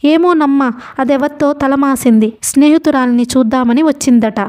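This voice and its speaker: A woman voicing a suspicious, sharp-tongued older village mother-in-law in a storybook reading. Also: moderate pace, lightly acted. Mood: suspicious, scolding. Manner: shrill, scolding and suspicious.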